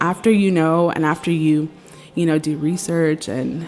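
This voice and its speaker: A woman talks at a fairly low pitch with fairly even intonation. Music can be heard behind her. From northern Virginia, US (Salvadoran family). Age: 30s. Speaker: vegan chef. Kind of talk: interview. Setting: studio.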